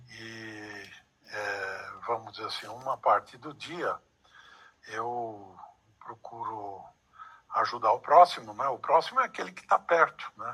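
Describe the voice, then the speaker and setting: A man at a very slow pace, with long, frequent pauses and big swings in loudness. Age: 70s. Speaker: study group participant. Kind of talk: group discussion. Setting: video call. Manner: halting.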